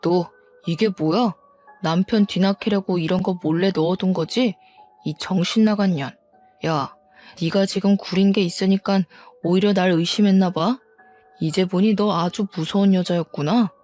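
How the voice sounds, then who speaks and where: A woman voicing a quick-tempered, defensive cheating husband, talking back with contempt and bluster in a storybook drama reading. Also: fairly low pitch, a little mellow, faint music behind, close to an everyday voice. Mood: furious.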